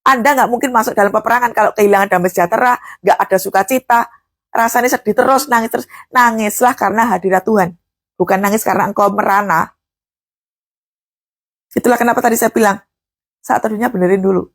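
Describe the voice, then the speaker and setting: A woman's voice: medium pitch, fast talker, no echo. A woman preacher giving a sermon in a conversational, folksy way, moving between teaching and fervent prayer.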